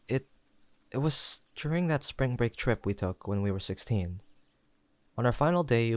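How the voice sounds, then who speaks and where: A man's voice: fairly low pitch, dry recording, close to an everyday voice. A young man playing a tender, teasing best friend turned lover in an intimate romantic audio roleplay, speaking in a hesitant, conversational way. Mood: tender, reflective. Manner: conversational, hesitant, halting delivery with sighs and soft chuckles.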